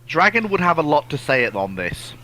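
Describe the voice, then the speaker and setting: A man's voice: on the high side, sing-song, a little fast, bright, forceful tone. A man chipping in casually as a co-host with brief remarks. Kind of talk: casual chat, brief interjections.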